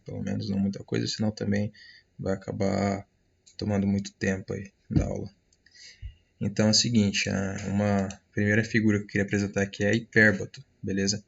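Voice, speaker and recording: A man's voice: lowish voice, creaky, lo-fi sound. A man with a Brazilian accent teaching an online literature class in a casual lecture style, checking in with his students after almost every phrase. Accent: Brazilian Portuguese. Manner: casual, many fillers and check-ins.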